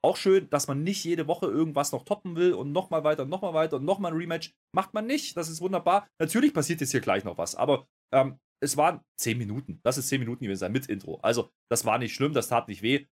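A man's voice: a little high, animated, fast, hardly any pauses. A man hosting a wrestling review podcast, rambling with many fillers in casual talk. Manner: rambling, full of fillers and self-corrections. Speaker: podcast host. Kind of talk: casual chat.

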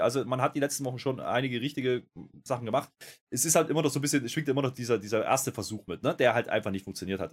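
This podcast host reviews wrestling in a medium-pitched, slightly rough voice. His casual talk wanders, packed with fillers and frequent self-corrections.

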